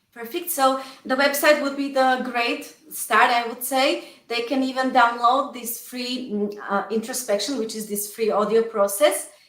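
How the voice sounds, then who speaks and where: A woman with a Slovak accent talks in a high voice with ordinary pitch variation. Her loudness swings widely, and room echo is audible. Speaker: life coach. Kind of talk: interview.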